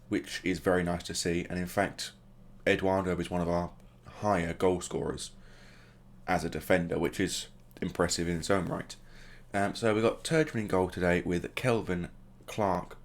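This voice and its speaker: A man hosting a gaming video, casually commentating the play as it happens and adding joking asides. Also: low-pitched. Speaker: gaming channel host.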